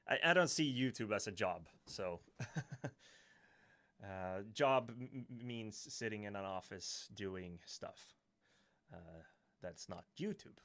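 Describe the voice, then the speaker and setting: A man's voice: on the low side, fairly bright tone. A man from Sweden with a Swedish accent, speaking English as a second language, hosting a casual live-stream Q&A and reading out viewer comments, hesitant and full of restarts. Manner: hesitant, many restarts and fillers, chuckling often.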